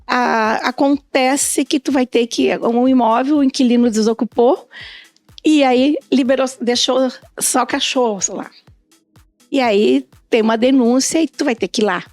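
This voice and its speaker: A woman's voice: high voice, measured pace, a little mellow, no echo, faint music behind. A middle-aged or older woman chatting as a podcast guest, telling stories and acting out quoted exchanges. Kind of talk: casual conversational interview, anecdotes.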